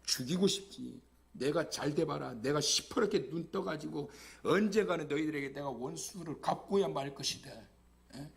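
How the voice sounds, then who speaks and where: A man voicing a resentful, wronged young man who mutters indignantly about getting even. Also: fairly high pitch, normal speed, creaky. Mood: bitter.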